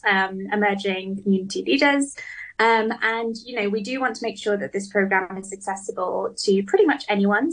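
An upbeat woman laying out how a program works during a radio interview. She pauses often with ums and sits a little back from the microphone, so her voice comes through at a slight distance. Her pitch sits in the middle range. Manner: upbeat, explanatory, many ums. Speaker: guest, program organizer.

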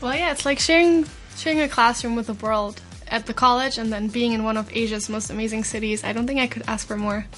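Young woman speaking in measured tones. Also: on the high side, steady tone, a bit bright, faint music behind. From Turkey. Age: young adult. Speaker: student guest.

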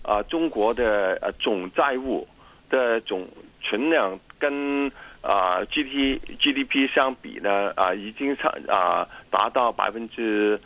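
A man with a Cantonese accent in his Mandarin, a native Cantonese speaker, giving explanatory interview answers in a halting way with many pauses and repeated words. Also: fairly low pitch, phone-quality sound. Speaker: interview guest, academic.

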